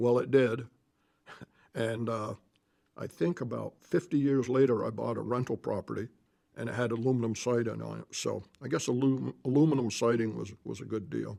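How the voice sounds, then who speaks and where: A man with an American accent speaks in a dark, mellow tone at medium pitch, with vocal fry and ordinary pitch variation. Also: moderate pace. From Vermont, USA. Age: 80s+. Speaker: retired tradesman. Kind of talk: oral history, casual recollection.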